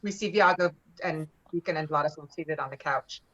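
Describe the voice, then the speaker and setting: A woman with a low, fairly bright voice reads screenplay stage directions a little fast during an online table read. The remote video-call session has dull, lo-fi audio.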